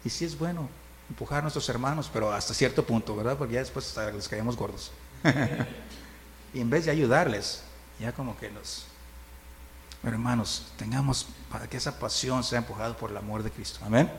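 A man's voice: medium pitch, a little fast. A man preaching a conversational sermon, often asking "right?" and chuckling. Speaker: pastor. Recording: reverberant hall, faint noise.

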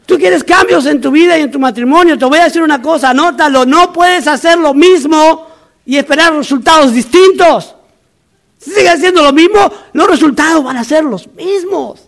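A man's voice: very high voice, moderate pace, creaky, fairly bright tone. A man from Argentina preaching a sermon as a pastor, emphatic and repetitive, with humorous asides.

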